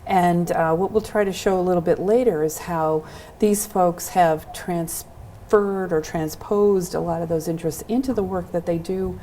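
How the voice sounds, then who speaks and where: A woman's voice: on the low side, fairly even intonation, moderate pace, warm tone, a little hiss or hum. A woman hosting a local access television show, introducing guests and asking them encouraging questions. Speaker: host.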